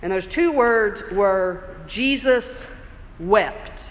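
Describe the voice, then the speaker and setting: A man preaching a sermon in a church, conversational and explanatory, slowing down for emphasis. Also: high-pitched, animated, a bit bright. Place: church sanctuary. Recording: long church reverb.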